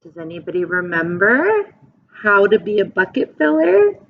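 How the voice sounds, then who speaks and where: A woman reading a picture book aloud to young children in an expressive, teacherly way, with simple phrasing and asides to her listeners. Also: medium pitch, moderate pace. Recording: dull, lo-fi sound.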